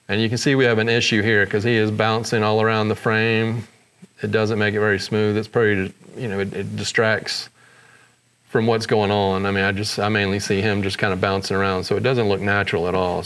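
A man with a fairly low voice narrates a screen-recorded editing tutorial. He moves step by step in an easygoing way, dropping in fillers as he goes. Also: smooth. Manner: relaxed step-by-step explaining with fillers. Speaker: photography tutorial host.

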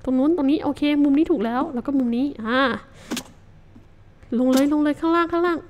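High-voiced woman chatting through gameplay. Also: brisk, dull audio. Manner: chatty, talks to herself, soft polite particles, sudden startled shouts. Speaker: Minecraft let's-play host. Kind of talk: casual game commentary.

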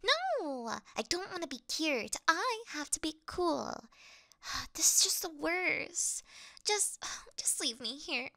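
A woman's voice: very high voice, sing-song, slow pace, pushed and bright, no echo, clean studio sound, exaggerated voice. A woman voicing a clumsy, easily scared young female thief who acts tough in an ASMR roleplay, flustered, pouty and stammering. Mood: embarrassed, confessing, then whiny, anxious.

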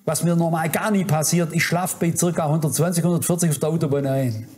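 A man delivers a conference sermon in a noticeably high voice. He is fervent and admonishing, speaking directly to his listeners to warn and exhort them. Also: fast, a little mellow. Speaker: preacher. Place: conference hall.

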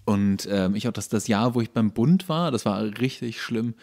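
A man's voice: fairly low pitch, normal speed, a little mellow. A man co-hosting a podcast, telling anecdotes in casual, colloquial, self-correcting speech. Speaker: podcast co-host.

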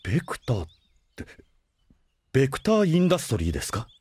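A man playing a gentle, worried older brother in an audio drama, lecturing with formal politeness. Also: mid-range voice, huge pitch swings, brisk, breathy edge, dry recording. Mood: startled, concerned. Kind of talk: Japanese audio drama acting.

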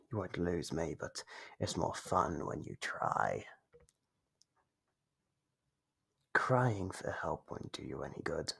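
An actor voicing an ancient, gleefully predatory monster in an ASMR horror roleplay, husky and breathy, teasing with slow menace. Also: male voice, sits low, heavily acted. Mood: taunting excitement. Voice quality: husky, gravelly, breathy with whispers. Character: gleeful predatory monster from under the bed, centuries old.

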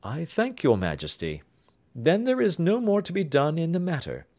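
A man's voice: fairly high pitch, sing-song, normal speed, a little mellow, pitched above the performer's own voice. A man reading as a cool, precise detective, formal and restrained.

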